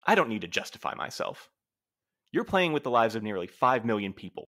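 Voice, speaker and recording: An actor playing a stern, dutiful postmaster in an audio drama, with a dramatic, formal, commanding manner. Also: male voice, medium pitch, very animated, fairly quick, fairly bright tone. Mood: stern, exasperated. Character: stern, dutiful, theatrical male postmaster of couriers.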